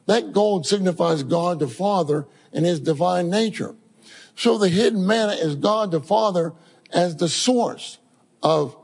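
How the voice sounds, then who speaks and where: Male preacher, high and gravelly, storytelling sermon to the congregation. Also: big-room sound. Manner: animated storytelling, addresses congregation as saints.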